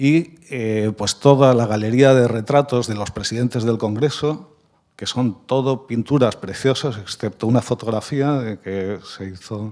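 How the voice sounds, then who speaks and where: A man speaks at a medium pitch with a dark, mellow tone and ordinary pitch variation. His pace is fairly slow, and the recording is very clean with a silent background. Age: 60s. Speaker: audience member asking question. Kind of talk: public Q&A comment. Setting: public colloquium with audience. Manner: halting, many fillers.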